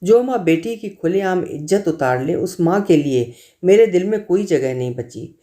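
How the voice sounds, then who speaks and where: A woman's voice: fairly low pitch, lively intonation, normal speed, dark tone, natural voice. A man voicing a troubled young woman in a storybook reading, pleading and then firm in her choice. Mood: defiant.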